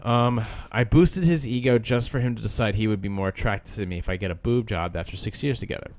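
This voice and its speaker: A man's voice: on the low side, brisk, a little mellow, slight background noise. A male podcast host reads a listener's post aloud and breaks in with sarcastic asides. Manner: sarcastic asides between read lines. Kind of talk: reading a post aloud with commentary.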